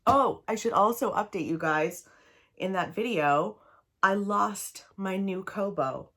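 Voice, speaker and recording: A woman's voice: mid-range voice, slow, fairly bright tone. Chatty, rambling woman with a stuffy nose. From Canada. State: a little snuffly from a cold; a little tired. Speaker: book vlogger. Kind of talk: casual chat to camera.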